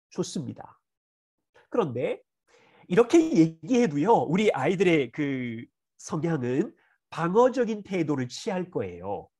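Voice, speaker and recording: A man's voice: a little high, dark tone, husky. A middle-aged man, a pastor, teaching a church parenting seminar in an earnest way and acting out talks between father and child.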